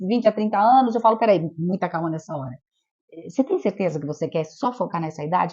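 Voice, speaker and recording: A normal speaking voice with lively intonation and a fairly quick pace. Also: woman. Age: 60s. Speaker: headhunter and speaker. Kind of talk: talk show interview.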